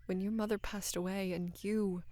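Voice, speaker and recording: A young woman playing a devoted, lovestruck female knight in an intimate roleplay audio, speaking in a hushed, breathy, halting and earnest way. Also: mid-range voice, level tone, dry recording, natural voice. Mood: soft, worried. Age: young adult. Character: devoted female knight, tender, anxious, in love with queen. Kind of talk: intimate roleplay audio, soft acted monologue.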